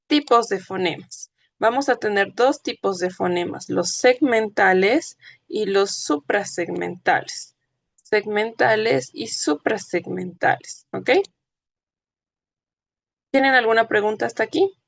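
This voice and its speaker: Woman teacher, patient explainer, slow measured delivery, dry close sound. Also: medium pitch, vocal fry, no echo. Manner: patient, explanatory, checks understanding often. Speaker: language teacher. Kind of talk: classroom lecture.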